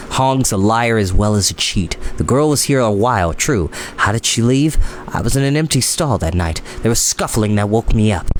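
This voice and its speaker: A man voicing a gruff, sympathetic stable groom who confides under his breath in a storybook tale. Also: fairly low pitch, a little hiss or hum, voice pushed down, natural voice.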